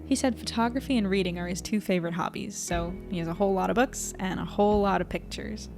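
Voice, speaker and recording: A woman performs a curious young traveler in an audio drama. She is soft-spoken and considerate, with a creaky fry in a medium-pitched voice. Music plays behind her. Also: fast talker, close to an everyday voice. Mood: reflective. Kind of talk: first-person audio drama narration and dialogue.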